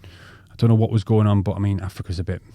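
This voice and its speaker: A man's voice: lowish voice, fairly even intonation, fast, dark tone, no echo, highs cut off. A man in his thirties from North East England with a North East accent, co-hosting a podcast and telling life stories in a rambling, swearing way, full of ums and restarts. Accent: North East English. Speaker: podcast co-host. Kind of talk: casual storytelling chat.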